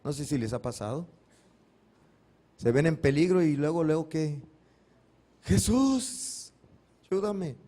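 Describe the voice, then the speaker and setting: A man's voice: a little high, normal speed, pauses often, mellow. Male pastor, preaching a Sunday sermon with questions and dramatic retellings. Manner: asks the congregation questions and answers them himself; acts out biblical cries dramatically.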